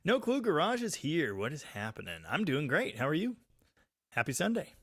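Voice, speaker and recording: A man hosting a live stream, chatting casually and reading viewer comments, with a very loud voice recorded on a phone. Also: a little high, wildly swooping pitch, moderate pace, dry recording, clean studio sound. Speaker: livestream host reading chat. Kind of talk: casual live chat about cars. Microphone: phone microphone.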